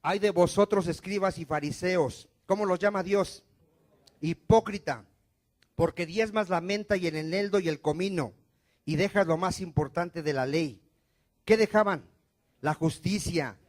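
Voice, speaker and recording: A high-voiced pastor preaches a church sermon at a measured pace, using a call-and-response style where he questions the congregation and answers himself. His delivery swings between loud, emphatic lines and quiet, falling endings.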